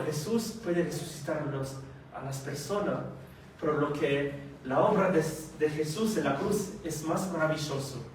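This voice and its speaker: A fairly high-voiced man preaches in an unhurried, halting way, pausing often and asking his listeners questions. He sounds far from the mic, and his voice bounces around a very echoey meeting hall. Faint room ambience sits underneath. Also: a little hiss or hum. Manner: slow and halting, with frequent hesitations and rhetorical questions. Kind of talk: sermon.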